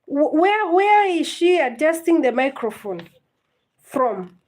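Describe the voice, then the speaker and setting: A woman's voice: sits high, very animated, slow pace, darkish tone. A woman, teaching literature in a live-streamed lesson, patient and repetitive, often checking whether her students understand. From Kenya.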